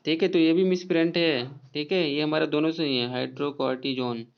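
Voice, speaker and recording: A man walks through exam spelling questions, spelling each word out slowly letter by letter and checking every option. His voice sits a little high and comes across smooth and clear. The recording is dull and lo-fi. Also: fairly even intonation. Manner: spells words out letter by letter, repeats "ठीक है". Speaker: exam prep teacher.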